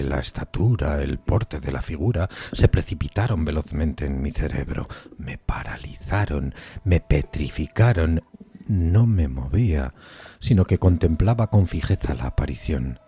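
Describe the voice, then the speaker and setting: Male reader as horror-struck widower for gothic tale: low, husky, theatrical, halting, dread-laden. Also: animated, mellow, faint music behind, full character voice. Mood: tense dread. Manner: theatrical, halting, emphatic repetitions. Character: haunted, horror-struck widower recounting his wife's resurrection. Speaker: podcast narrator reading a horror story. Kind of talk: dramatic gothic horror audiobook narration.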